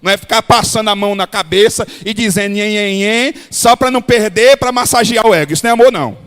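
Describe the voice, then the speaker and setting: A pastor from Ceará with a Cearense Brazilian accent, preaching a blunt, folksy sermon to other pastors. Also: male voice, high voice, fast, a bit bright. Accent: Cearense Brazilian Portuguese. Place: large hall at a pastors' retreat. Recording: long hall reverb.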